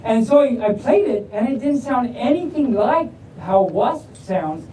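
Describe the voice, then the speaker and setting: A woman's voice: lively intonation, unhurried, warm tone. A woman reading stories aloud to a live audience in a playful, silly way, rambling off into self-deprecating asides. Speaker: storyteller reading picture books to an audience. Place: large room at a live convention event. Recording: roomy, distant mic with faint rumble.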